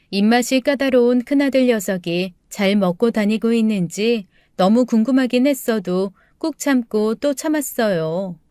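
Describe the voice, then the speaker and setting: A woman narrating a first-person story in a calm, steady reading voice. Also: a little high, clean tone, dry recording, clean studio sound.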